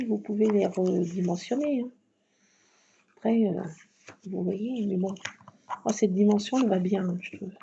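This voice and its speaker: A woman chatting through a casual craft tutorial at home at night, keeping her voice hushed and often slipping into a whisper, with rambling asides. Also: medium pitch, vocal fry. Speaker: craft video maker. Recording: muffled lo-fi with faint noise.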